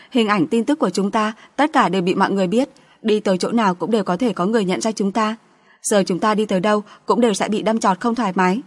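A woman's voice: mid-range voice, lightly acted. Woman acting middle-aged mother, bitter, accusing, desperate, ranting, audiobook character.

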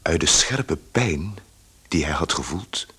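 An actor as a grave, measured storyteller giving literary narration in a radio play. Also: male voice, extremely low pitch, expressive, bright, forceful tone, husky, heavily acted.

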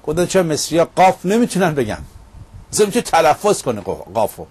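A man's voice: fairly high pitch, huge pitch swings, darkish tone, husky. A middle-aged man hosting a monologue show, recounting a debate in an emphatic storytelling manner. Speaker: host. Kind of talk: casual monologue. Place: Paris.

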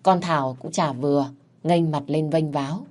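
A woman's voice: low-pitched, normal speed, a little mellow. A woman narrating a story in a vivid, colloquial, mocking style.

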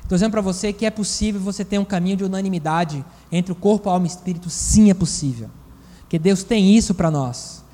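Male pastor with a high voice, animated preaching style, long church-hall reverb. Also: fast talker. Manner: animated, acts out quoted voices. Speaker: pastor and psychologist. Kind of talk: sermon.

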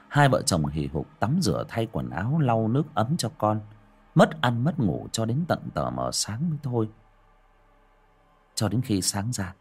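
A man's voice: sits low, husky. A man narrating a ghost story with dramatic, swooping delivery.

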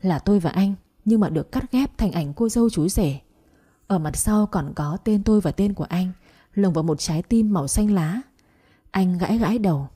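A woman reading a first-person love story aloud in a soft, reflective way. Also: mid-range voice, normal speed, husky.

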